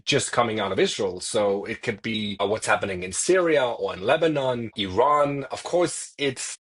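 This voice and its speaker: A man's voice: lowish voice, animated, normal speed, fairly bright tone, husky. A man in his thirties from Denmark, a freelance journalist answering interview questions thoughtfully, often restarting and repeating words mid-sentence. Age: 30s. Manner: thoughtful, frequent restarts, repeats words while searching for phrasing. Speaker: freelance journalist, podcast guest.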